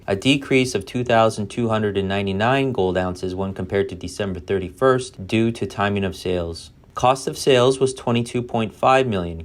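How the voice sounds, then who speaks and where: A male finance chief with a fairly low voice delivers a scripted earnings report. He is formal and careful as he reads out the figures.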